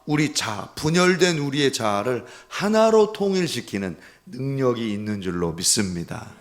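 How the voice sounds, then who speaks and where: A man, a pastor, preaching a sermon to his congregation. He moves from quiet storytelling to loud, impassioned pleading and speaks to the listeners directly. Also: mid-range voice, sing-song, normal speed. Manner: earnest, addresses the congregation directly.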